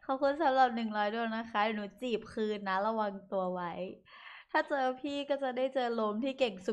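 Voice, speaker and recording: A woman's voice: a little high, a little fast, clean tone. Giggly young woman streaming live. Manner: chatty, giggly, reads comments aloud. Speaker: livestream host reading chat. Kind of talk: casual livestream chat.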